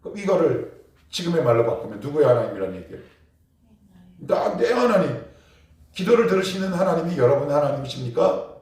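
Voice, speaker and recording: A pastor giving an emphatic sermon at a morning prayer service, often asking the congregation questions and prompting them to answer. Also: male voice, a little high, expressive, quick pace, darkish tone. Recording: very echoey church from far off.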